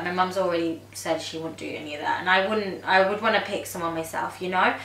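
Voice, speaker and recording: Audible room echo and noticeable background noise are present. Through them a woman talks. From UK. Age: 20s. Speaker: beauty YouTuber. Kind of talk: casual Q&A vlog. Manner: casual chatty.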